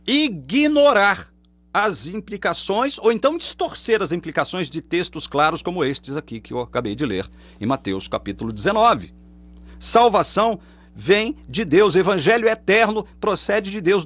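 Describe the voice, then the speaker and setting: Emphatic, animated preaching man. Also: high voice, no room sound. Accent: Brazilian Portuguese. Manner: emphatic, combative, rhetorical questions. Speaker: online preacher. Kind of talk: polemical religious monologue. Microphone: webcam or phone facing speaker.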